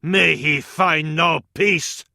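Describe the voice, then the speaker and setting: A fervent Arab battlefield counsellor from a strategy game. The voice sits high and rings out bright and forceful, with an Arabic accent. The delivery is ornate and theatrical, addressed to a sultan, in a very dry, close recording. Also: male voice, steady tone, slow, creaky, no room sound, exaggerated voice. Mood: scornful. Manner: ornate, dramatic, proverb-laden delivery. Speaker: military advisor in a strategy game. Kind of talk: theatrical video game voice acting.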